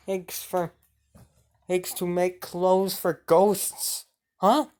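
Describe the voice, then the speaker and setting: A man voicing an enraged female ghost queen, ranting in a high, strained voice. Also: a little mellow. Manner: shrill ranting, shaky at first. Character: furious ghost queen, female, towering, vengeful.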